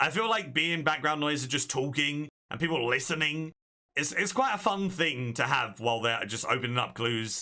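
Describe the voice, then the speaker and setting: A loud, fairly high-pitched male voice with a bright, sharp tone, lively intonation and a moderate pace. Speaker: gaming YouTuber. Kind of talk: casual gameplay commentary. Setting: home room. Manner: animated.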